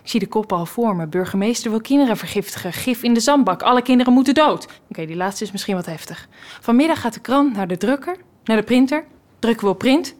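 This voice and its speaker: A rambling, excitable editor of a small-town paper, played by a woman in a radio comedy. She talks herself in circles with dramatic flair, her voice sitting a little high. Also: fast talker, natural voice. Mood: eager. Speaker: newspaper editor-in-chief.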